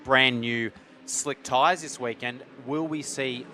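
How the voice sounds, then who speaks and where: Man, motorsport commentator, colloquial live analysis, medium pitch, loud trackside vehicle noise. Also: slow. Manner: colloquial, explanatory. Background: race cars and outdoor ambience.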